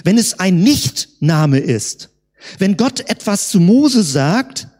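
Woman preacher, sermon delivery, slightly husky, heavy hall reverb. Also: medium pitch, sing-song, a little mellow. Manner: rhetorical questions, slowed emphatic words.

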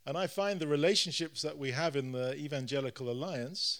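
A middle-aged man from London with a British accent gives an informal church address in short phrases, pausing for an interpreter. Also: on the high side, fairly bright tone. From London, Britain. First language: English. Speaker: guest pastor preaching.

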